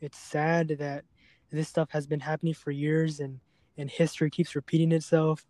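Halting, somber man with a mellow voice. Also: on the high side, flat delivery, no echo. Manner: halting, hesitant, repeats words. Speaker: podcast host. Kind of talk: serious, unscripted podcast conversation.

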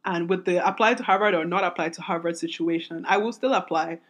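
A woman in her twenties hosting a solo podcast, talking in a candid, rambling way with many restarts, her voice raspy and strained from singing. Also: lowish voice, fast talker, dull audio. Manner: rambling, self-interrupting, candid. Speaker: podcast host.

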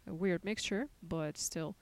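Female guest from Russia, Russian native, lowish voice, modest and laughs easily. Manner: modest, laughs often, thoughtful pauses. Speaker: guest, English teacher. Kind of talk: casual interview chat.

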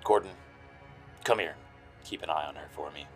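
An actor playing a down-on-his-luck, protective private eye in a noir audio drama, gruff, blunt and urgent. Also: a bass voice, moderate pace, faint music behind.

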